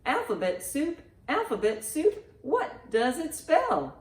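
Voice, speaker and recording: Lady doing kids storytime, slow and sing-songy, really animated, encouraging, bit echoey. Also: high-pitched. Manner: animated, encouraging, sing-song delivery for small children. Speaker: library storytime host. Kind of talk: children's storytime with songs, rhymes and picture-book reading. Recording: roomy, echoey indoor sound.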